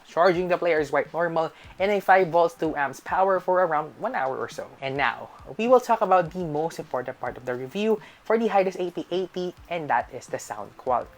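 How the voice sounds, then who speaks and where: A woman's voice: sits low, expressive, a little fast, hardly any pauses. A woman with a Filipino accent narrating a scripted tech review.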